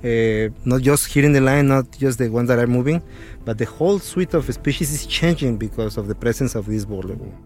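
A man's voice: mid-range voice, brisk, darkish tone, faint music behind. A man from Mexico with a strong Mexican accent, speaking hesitantly outdoors in a field interview. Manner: hesitant, with restarts and fillers. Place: outdoors at a border wall.

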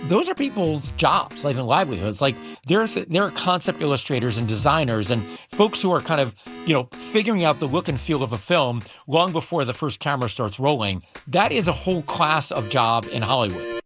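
A man's voice: a little high, big pitch swings, brisk, over music. A man, an entertainment reporter, explaining the story in casual chat with emphatic asides.

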